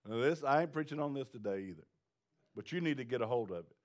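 A man's voice: mid-range voice, animated, fast talker. A middle-aged man preaching a sermon to a small congregation, building to emphatic repeated lines. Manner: preaching with rising intensity and emphatic repetition; pacing the stage with wide gestures. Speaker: pastor. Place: small church stage with seated congregation.

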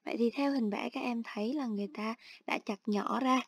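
A woman teacher calmly explaining an online English exercise step by step. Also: on the high side, brisk, slightly rough, no room sound. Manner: steady instructional, explains each step. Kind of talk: online lesson narration.

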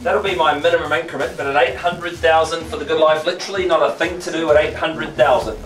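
A middle-aged man with a New Zealand accent calling bids at a live property auction, with quick joking banter and rhythmic patter. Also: a little high, steady tone, a bit bright. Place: crowded living room of a house for sale. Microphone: far camera, no mic. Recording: echoey room, voice from far off.

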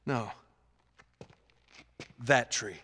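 A man's voice: mid-range voice, very slow, background noise. An American man playing a rugged, earnest adventurer in his thirties in a video game cutscene. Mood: puzzled, realising. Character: rugged, earnest young male adventurer, urgent and determined.

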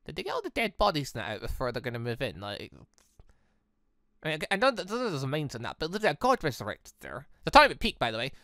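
Gaming YouTuber, man, reads a visual novel; lively pitch, bright, dry close mic. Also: quick pace, dry recording. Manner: chatty, jumps up in pitch when surprised. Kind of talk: reading a visual novel aloud with commentary.

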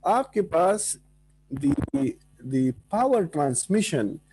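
A man's voice: a little high, sing-song, unhurried, darkish tone, a little hiss or hum, rough recording. A man with a South Asian accent giving an engineering lecture, mixing Hindi-Urdu phrases into English and often checking understanding with short questions. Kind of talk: classroom lecture with board working and questions to students.

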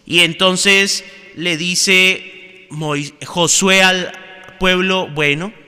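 A man, a priest, reading the gospel at Mass and then preaching a homily in slow, measured phrases with pauses, recorded in a large church. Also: sits high, steady tone, sharp tone, smooth, soft background music. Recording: long church reverb.

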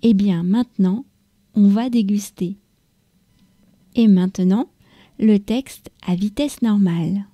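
A French woman hosting a podcast for learners, reading calmly and carefully. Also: medium pitch, dry recording. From France. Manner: calm, careful, unhurried reading. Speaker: podcast host. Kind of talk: slow read-aloud for French learners.

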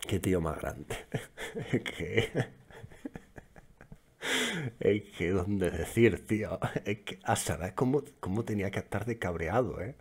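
A man gives casual commentary as he reads forum posts aloud, teasing them with a mocking edge and frequent laughter. His voice sits low and has a husky grain. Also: a little slow. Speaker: gaming youtuber.

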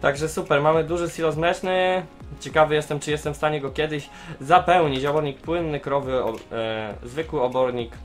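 A young man casually commenting on a farming game as he plays, chatting straight to his viewers and filling pauses with "e". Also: on the high side. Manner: chatty, talks straight to viewers as "mordeczki", many fillers. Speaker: gaming YouTuber. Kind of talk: casual let's-play commentary. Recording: game music faint behind voice.

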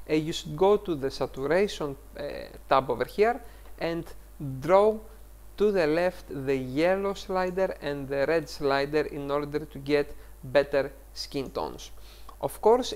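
This tutorial host, whose voice runs on the high side, has a Greek accent. He explains each photo-editing step while a screen recording plays, fixing his own slips as he talks.

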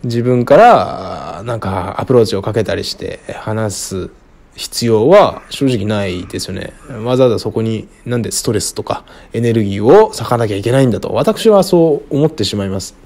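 A man answering listener questions alone in casual talk, frank and rambling with many fillers, often trailing off quietly. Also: moderate pace. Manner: lively, wide pitch swings. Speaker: radio-style show host answering listener questions.

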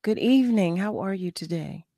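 A woman in her forties hosts a talk radio show, chatty and eager, often cutting in. Her voice sits at a middle pitch, recorded close and dry on a studio mic. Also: animated, moderate pace, warm tone, no echo. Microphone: headset with studio mic.

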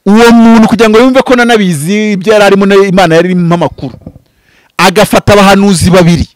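A man in his thirties from Rwanda, a pastor speaking in an impassioned, preaching style, swinging from loud bursts to low murmurs. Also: steady tone, rapid-fire, no room sound. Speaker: pastor and prophet. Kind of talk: animated preaching-style interview talk. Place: outdoors before green foliage. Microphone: handheld mic held close.

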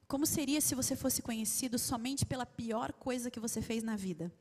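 A woman interpreting a guest speaker's talk live in a large church, relaxed and quick to laugh. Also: a little high. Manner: laughs easily, relaxed and conversational. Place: large church auditorium with an audience. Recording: long hall reverb.

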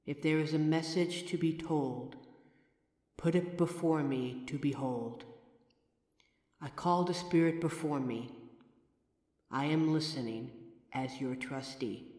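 A woman's voice: low-pitched, slow pace, long pauses, darkish tone. A woman playing a young psychic, earnest, confident and helpful, in a scripted roleplay audio drama. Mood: hushed, solemn. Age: young adult. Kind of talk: scripted roleplay audio acting, addressing the listener.

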